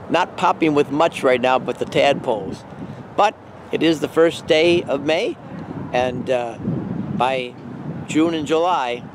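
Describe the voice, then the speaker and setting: Relaxed older man vlogging outdoors. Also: mid-range voice, background noise. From Michigan. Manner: relaxed, chatty, gentle with pauses and fillers. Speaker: nature vlogger. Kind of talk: casual outdoor vlog narration. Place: outdoors in a park, later indoors at home.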